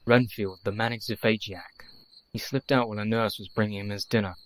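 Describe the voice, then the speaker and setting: A man playing an earnest young doctor, measured and devoted, in a radio play. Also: fairly low pitch, fairly even intonation, slight background noise, close to an everyday voice. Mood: tense.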